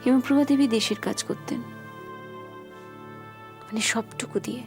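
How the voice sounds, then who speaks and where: A woman's voice: fairly high pitch, steady tone, moderate pace, music in the background, natural voice. A woman playing a brooding hospital patient. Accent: Bengali. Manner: quiet, subdued, melancholy speech. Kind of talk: TV serial drama acting.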